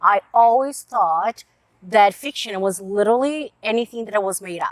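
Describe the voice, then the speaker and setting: A woman with a Brazilian Portuguese accent speaks at a moderate pace in a fairly high voice with ordinary pitch variation, the sound dry and close with no echo. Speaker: book vlogger. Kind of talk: casual vlog book talk.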